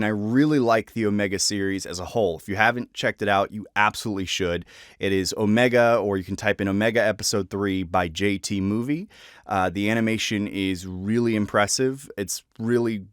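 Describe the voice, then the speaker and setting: A man's voice: on the low side, clear, resonant tone, no echo, clean studio sound. A man talking casually to viewers as a voice actor, presenting favorite characters.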